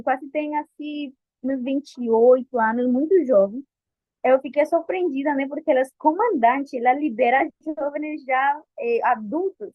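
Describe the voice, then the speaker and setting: A young woman giving a candid, lively testimony in an interview, often restarting her sentences. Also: high-pitched, no echo. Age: young adult. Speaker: interviewee, book colporteur. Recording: dull lo-fi recording.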